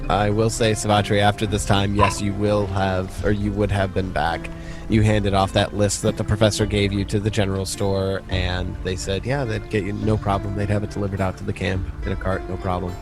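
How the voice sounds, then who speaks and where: A man's voice: fairly low pitch, level tone, a little fast, over music. A man narrating a tabletop game as game master, conversational and feeling his way through improvised descriptions.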